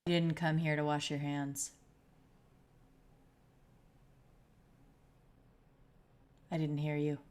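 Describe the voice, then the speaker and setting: A woman playing a crude junior high bully in a script read, blunt and threatening. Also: level tone, fairly quick, darkish tone, lightly acted. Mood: menacing. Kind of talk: table read of a film script.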